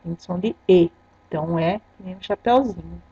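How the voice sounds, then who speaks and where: A Brazilian woman teacher recording a grammar lesson for her students, explaining step by step and checking in with a quick "tá?" after each point. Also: fairly low pitch, warm tone, breathy edge, no echo. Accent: Brazilian Portuguese. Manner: patient, explains step by step, ends phrases with "tá?". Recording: dull lo-fi sound.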